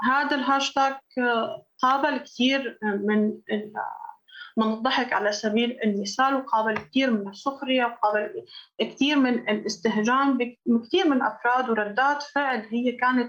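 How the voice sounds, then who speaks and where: A woman speaks fairly slowly at a high pitch, her loudness very even throughout. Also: ordinary pitch variation. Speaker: community leader. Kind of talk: radio interview.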